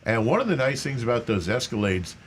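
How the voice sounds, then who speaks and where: A man's voice: medium pitch, big pitch swings, brisk, a little hiss or hum. A man co-hosting a radio call-in show, explaining things in an easygoing way with frequent restarts. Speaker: car expert co-host. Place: radio studio.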